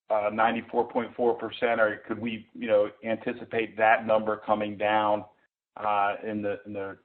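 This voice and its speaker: A man speaking as a financial analyst, asking questions on an earnings call with hesitant, conversational phrasing. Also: fairly low pitch. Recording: narrow tinny phone line.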